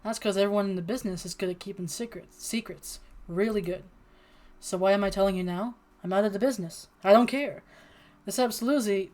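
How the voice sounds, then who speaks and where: A woman livestreamer reading a dating sim aloud and chatting in an expressive, flustered, playfully dramatic way. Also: on the low side. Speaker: streamer playing a dating sim. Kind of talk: livestream chat and game read-aloud.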